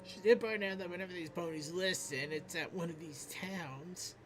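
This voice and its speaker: A man doing a comedic script read on a podcast, halting and stumbling over lines. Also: high voice, fairly bright tone. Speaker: podcast cast member. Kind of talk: comedic character read with casual asides.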